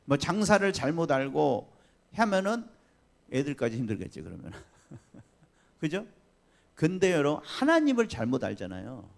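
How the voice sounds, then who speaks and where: A man preaching a Sunday sermon as pastor, chatty and lively, asking the congregation questions and laughing along. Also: a little high, moderate pace, vocal fry, long pauses. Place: church sanctuary.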